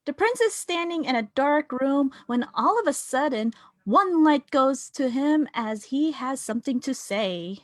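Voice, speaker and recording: Female stage-direction reader, high voice, measured slow pace, dry close sound. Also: expressive, no echo. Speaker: narrator. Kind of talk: reading stage directions aloud.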